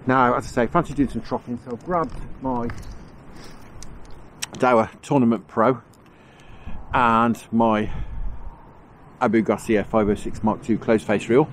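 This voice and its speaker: Speaking slowly and leaving long pauses, this man talks in a mid-range voice with fairly even intonation. He's got a cold that makes him sound stuffed and nasal as he narrates his fishing trip from a riverbank, rambling and laughing to himself. A bit of wind can be heard faintly outdoors.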